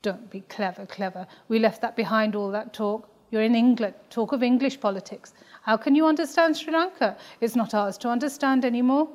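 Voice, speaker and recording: A woman voicing a stern middle-aged immigrant mother who gives slow, emphatic orders. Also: fairly high pitch, a little mellow, lightly acted. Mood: scolding.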